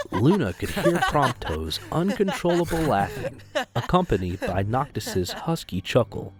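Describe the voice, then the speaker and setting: A man narrates a scripted fantasy story with animated intonation. His voice is of medium pitch, and music plays behind him.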